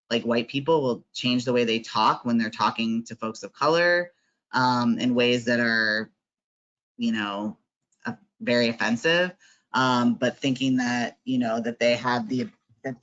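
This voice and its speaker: Man, workshop facilitator, mid-pitched voice, conversational, fillers and tag questions, muffled call audio. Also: fairly bright tone. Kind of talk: online workshop presentation.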